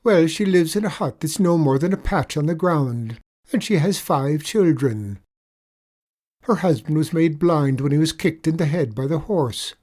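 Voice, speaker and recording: Reading from a storybook, a storyteller voices a sly, wheedling male leprechaun with an Irish accent who spins a pitiful tale. The voice is medium-pitched, a little mellow, and at normal speed, raised above the performer's own but close to an everyday voice.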